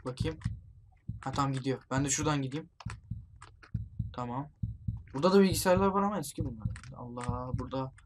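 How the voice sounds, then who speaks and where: A man playing a horror game online with friends, commentating for his channel and urgently shouting warnings to his teammates. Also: mid-range voice, brisk, pauses often, background noise. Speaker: gaming YouTuber. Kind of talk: excited let's-play commentary with friends.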